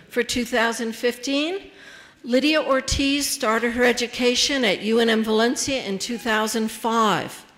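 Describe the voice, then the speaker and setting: A woman serving as the emcee of a ceremony, reading out names, titles and introductions in a measured way. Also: on the high side, a bit bright.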